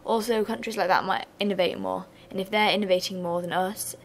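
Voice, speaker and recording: A young woman, hoarse and losing her voice, giving a chatty revision lesson with casual asides. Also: medium pitch, fairly even intonation, fairly quick. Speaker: student revision tutor.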